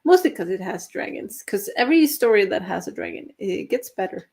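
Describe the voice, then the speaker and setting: A woman's voice: mid-range voice, very animated, brisk, a little mellow. A young adult woman from Norway, a native Norwegian speaker, chatting casually with viewers on a writing livestream, with frequent laughs and fillers. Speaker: writing stream host.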